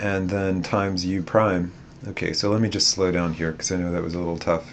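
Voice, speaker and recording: Audible room echo surrounds a man whose very deep, low voice moves at a fairly quick pace in a monotone, flat intonation. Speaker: math teacher. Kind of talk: lecture. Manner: casual, with many fillers.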